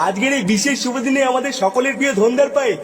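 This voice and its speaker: A man's voice: very high-pitched, racing. A man voicing a proud, ceremonious village speechmaker in a comic cartoon, formal and declamatory. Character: proud, ceremonious village orator honouring a mason. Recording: long echoing hall reverb.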